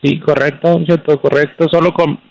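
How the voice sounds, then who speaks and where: A man's voice: a little high, level tone, normal speed, gravelly, darkish tone, low-quality recording. A man calling in to a radio advice show, speaking in a hesitant, subdued way as he searches for words. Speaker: radio caller. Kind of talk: phone-in conversation.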